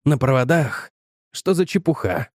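Guy reading a calm young scientist brushing things off politely, dry close sound. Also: mid-range voice, measured pace, no echo. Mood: dismissive. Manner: calm, coolly dismissive, polite "sir".

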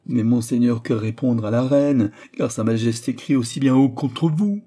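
A man's voice: medium pitch, moderate pace, mellow, natural voice. A man voicing an anxious, pleading male court jeweler with an insistent manner. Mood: desperate.

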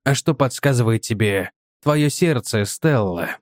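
A man voicing a weary, calm old male professor in an audiobook, low and unhurried. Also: no echo, studio quality, natural voice. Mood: gentle. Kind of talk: audiobook character voice.

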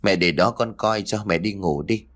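A man voicing a caring young husband who talks in a calm, reassuring way. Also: on the low side, moderate pace.

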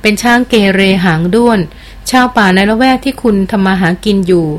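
An earnest noblewoman explorer from an audiobook jungle adventure, as a woman reads her. She talks in a warm, urgent way at a middle pitch. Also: fairly quick, lightly acted.

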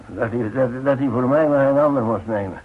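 An actor in a Dutch radio play playing a weary, evasive older father who speaks in halting, hesitant phrases. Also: mid-range voice, close to an everyday voice. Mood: uneasy, confessing. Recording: tinny, narrow-band old radio recording.

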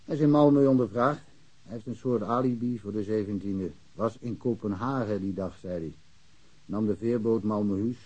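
Husky, chatty village policeman. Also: lowish voice, normal speed, dark tone, muffled recording. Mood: wry, knowing. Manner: talkative, colloquial, opinionated. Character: chatty, blunt village policeman, worldly-wise and sure of himself. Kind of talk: naturalistic radio drama dialogue.

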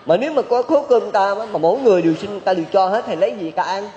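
A man's voice: high-pitched, quick pace, warm tone, slight background noise, pitched above the performer's own voice, close to an everyday voice. A man voicing a proud rich man who lectures as he refuses. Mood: refusing. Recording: dull hall recording with long reverb.

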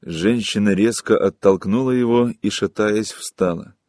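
A man reading a literary story aloud in measured, even narration. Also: on the low side, dry recording, studio quality. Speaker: audiobook narrator.

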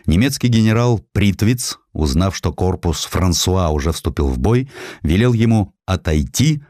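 A man reading a scripted historical narrative in an expressive, emphatic storytelling manner. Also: sits low, unhurried, dry recording. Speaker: audiobook narrator.

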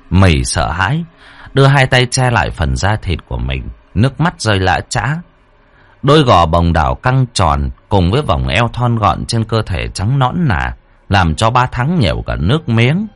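A man narrating a dramatic audio story with an expressive, rising and falling delivery. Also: lowish voice. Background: faint background music.

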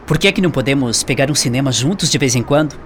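A man's voice: mid-range voice, animated, fast, fairly bright tone, slight background noise, close to an everyday voice. An actor playing a young male shop colleague in a radio drama, friendly and persuasive.

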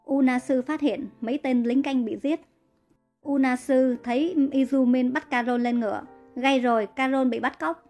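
Woman narrating a story over soft music. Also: sits high, fairly even intonation, normal speed. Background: faint music.

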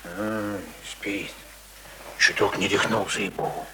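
A man's voice: on the low side, level tone, measured pace, natural voice. A man playing a plain-spoken, worried but kindly villager in a radio drama, muttering in colloquial rustic speech. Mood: relieved, grumbling. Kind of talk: Soviet-style radio drama acting. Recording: hissy old radio play recording.

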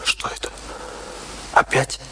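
A man acting a gentle, troubled, pleading friend. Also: slow pace, in a whisper, lightly acted. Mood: concerned. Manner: soothing, hesitant, pleading. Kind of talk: radio play acting.

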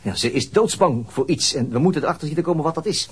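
An actor playing an urgent, concerned police detective in a radio drama, brisk and clipped, with a raspy voice. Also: male voice, a little high, lively intonation.

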